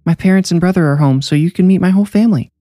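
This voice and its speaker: A man voicing an eager, friendly little girl with a bright, childlike, earnest manner in a storybook reading. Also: sits high, very fast, no room sound, studio quality, pitched above the performer's own voice, close to an everyday voice.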